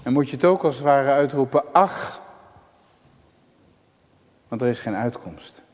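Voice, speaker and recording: A man preaching a sermon, slow and emphatic, with dramatic pauses and sudden exclamations. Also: medium pitch, darkish tone. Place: church. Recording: dull lo-fi sound in a reverberant church.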